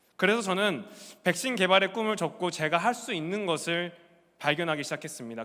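On a very clean recording with a silent background, a man with a high pitch and a bright, sharp tone speaks at a fairly quick pace. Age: 30s. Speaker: junior pastor in charge of youth ministry. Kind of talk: sermon. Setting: church. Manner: formal.

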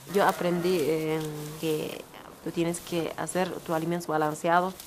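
Amid noticeable background noise, a woman talks fairly slowly. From rural Puno, Peru. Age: 40s. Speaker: cattle farmer. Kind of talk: interview answer.

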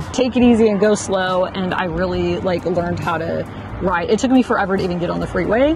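A woman at a fairly quick pace, ordinary pitch variation, dry sound with no echo, and music in the background. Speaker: motorcycle vlogger. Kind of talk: casual vlog chat. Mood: relaxed, friendly. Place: street. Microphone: lapel.

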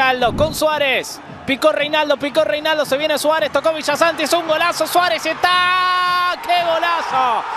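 A man speaks in a raised, projected voice at an extremely high pitch, his loudness very even. Noticeable background noise runs underneath. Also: fairly even intonation, moderate pace. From Argentina. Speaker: football commentator. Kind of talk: live football play-by-play.

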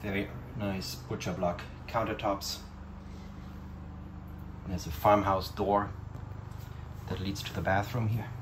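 A fairly low, somewhat breathy male voice with fairly even intonation over noticeable background noise. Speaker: seller or builder showing house. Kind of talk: casual tour narration. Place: home room. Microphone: phone near.

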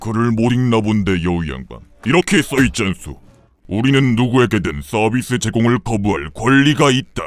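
A man speaks at a moderate pace in a put-on character voice, his pitch sitting in the medium range. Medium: dub. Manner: gruff, dismissive.

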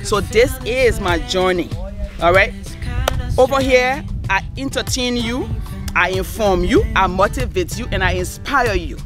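Over clear background music, a woman speaks at a fairly slow pace with long, frequent pauses, the sound dry with no echo. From Liberia. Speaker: vlogger. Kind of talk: casual talk to camera. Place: open country.

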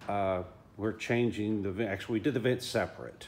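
Over light background noise, a man with a fairly low pitch talks at a moderate pace in an ordinary speaking voice. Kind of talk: tutorial. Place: garage. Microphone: phone near.

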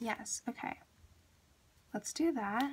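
Noticeable background noise fills the clip. Through it comes a woman's voice. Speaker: planner youtuber. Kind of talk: casual tutorial. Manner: casual, filler-heavy.

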